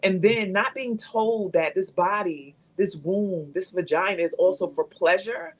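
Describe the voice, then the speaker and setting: A woman's voice: mid-range voice, a little slow. A woman in her fifties speaking candidly as a guest on a live talk show, reflective and thoughtful. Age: 50s.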